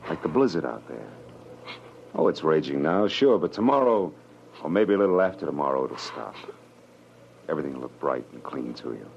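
A man's voice: a bass voice, big pitch swings, brisk, vocal fry, long pauses, darkish tone, muffled recording, full character voice. An American man acting in an old radio drama as a tough, wry private detective, terse and slangy. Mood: reassuring, tender. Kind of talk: 1940s radio drama acting, first-person narration. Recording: noisy, band-limited old radio recording.

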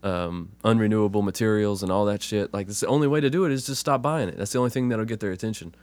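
A hoarse, low-voiced man talks in a laid-back, easy way. He has a cold, and his voice comes out rough. The recording is close and dry. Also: fast, darkish tone, no echo. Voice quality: rough, smoker-like voice. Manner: laid-back, swears casually, says "man" a lot. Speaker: podcast co-host. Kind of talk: casual chat.

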